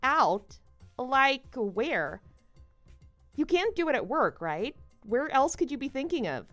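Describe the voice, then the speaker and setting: Woman acting a high-voiced, devoted wife. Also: very animated, slow pace, a bit bright, no echo, soft background music, exaggerated voice. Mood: doubtful. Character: devoted, slightly needy wife, doubtful but accommodating. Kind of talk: scripted dialogue for an online story drama.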